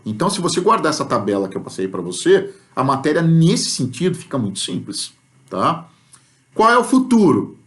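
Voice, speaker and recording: A man's voice: on the high side, moderate pace. A Brazilian man teaching an English class in Portuguese, explaining step by step and acting out example sentences, often checking in with "tá?". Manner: explanatory, frequent "tá?" check-ins; lively, acts out example sentences. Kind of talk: recorded remote class lesson.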